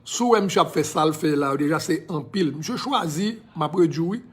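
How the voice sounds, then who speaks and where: A man with a Haitian accent talks straight to his viewers in a casual live video, impassioned and preachy. His voice sits a little higher than most men's, and he drops English phrases in here and there. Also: expressive, moderate pace. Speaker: social media personality.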